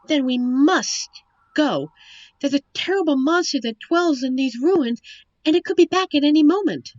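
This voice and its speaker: A woman's voice: sits high, animated, normal speed, darkish tone, dry recording, dull audio. A woman playing a sheltered young princess in a fantasy audio drama, fussy, eager and melodramatic. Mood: anxious, eager. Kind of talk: fantasy audio roleplay acting.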